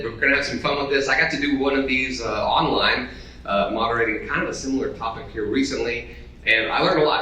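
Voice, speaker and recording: A man moderating a live conference panel, upbeat and energetic. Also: medium pitch, slight background noise. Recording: echoey hall, distant mic.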